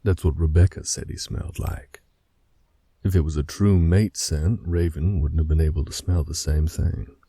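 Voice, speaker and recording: A man voicing a stern, protective male werewolf pack leader in a fan audio drama, with a husky, gravelly voice and a firm, measured delivery. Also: a bass voice, fairly even intonation, warm tone, no echo, studio quality, heavily acted.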